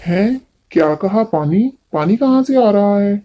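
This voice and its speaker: A woman's voice: mid-range voice, animated, unhurried, dull audio, pitched below the performer's own voice, lightly acted. A woman voicing a humble, kind-hearted male father ant in a children's story, speaking in an earnest, polite, beseeching way. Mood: startled.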